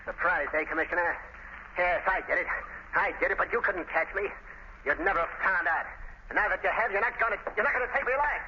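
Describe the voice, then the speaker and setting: A man's voice: sits high, quick pace, natural voice. An actor playing a bitter, gloating, cornered murderer, a male doctor, with intense melodramatic delivery in a 1930s radio play. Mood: frantic, defiant. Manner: theatrical, intense, villainous. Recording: muffled, faintly noisy 1930s radio recording.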